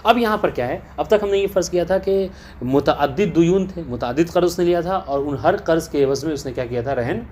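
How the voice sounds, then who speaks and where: A man with a fairly high, slightly mellow voice teaches religious law, explaining a text to the students in the session. He frequently tosses out rhetorical questions to confirm they're following, and there's slight background noise.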